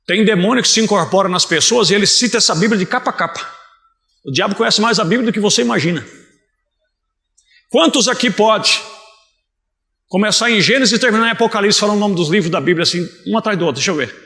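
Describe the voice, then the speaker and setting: A Brazilian man delivers a fiery sermon in a high, bright voice. He tells his stories with passion and breaks into shouting at times. The church hall around him rings with a long echo. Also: quick pace, long pauses. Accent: Brazilian Portuguese. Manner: impassioned, storytelling, bursts into shouting. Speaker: pastor.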